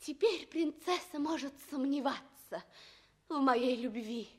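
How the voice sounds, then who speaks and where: An actress playing a gentle, earnest, loyal young lady-in-waiting in a theatrical radio play. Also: sits high, unhurried. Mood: hurt, earnest.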